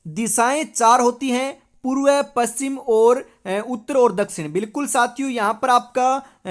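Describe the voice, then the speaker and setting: A woman teacher from India running an exam-prep quiz lesson, reading out multiple-choice options and confirming each answer with stock phrases. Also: a little high. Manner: reads options aloud, then confirms with repeated catchphrases.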